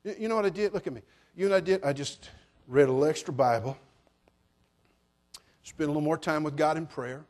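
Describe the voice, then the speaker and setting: High-voiced man preaching, folksy and fiery. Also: a little fast, pauses often. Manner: folksy and joking, rising to shouted preaching. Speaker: pastor. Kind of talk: sermon.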